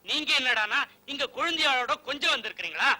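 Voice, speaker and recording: An actor playing a hot-tempered older father-in-law in a film comedy, loud and threatening. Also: very high voice, expressive, fast, exaggerated voice, rough recording. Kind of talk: 1990s Tamil film comedy acting.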